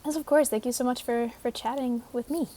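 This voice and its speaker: A young woman speaks in an easygoing, conversational way as an interview guest. Her speech is loose and relaxed, sprinkled with filler words and small restarts. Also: a little high, fairly quick, slight background noise. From Houston, Texas. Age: young adult. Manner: casual, lots of "like" fillers. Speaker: guest actor. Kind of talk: casual interview chat.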